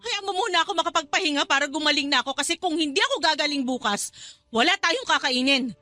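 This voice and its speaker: A woman's voice: high voice, animated, quick pace, bright, forceful tone. An actress playing a weary, manipulative middle-aged mother in a Tagalog radio drama, pleading and laying on guilt. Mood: bitter, guilt-tripping. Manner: guilt-tripping, emotional. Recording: background music under dialogue.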